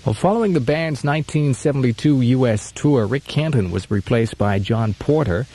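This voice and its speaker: A man hosting a radio album show, giving measured, informative commentary between records. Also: medium pitch, expressive, dark tone, slightly rough. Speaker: radio host. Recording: slightly muffled archive radio aircheck.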